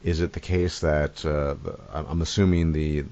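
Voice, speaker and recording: A man hosting a casual conversation, asking questions in a halting way and making dry, sardonic remarks. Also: a bass voice, little pitch movement, darkish tone. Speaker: host and interviewer. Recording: dull lo-fi sound.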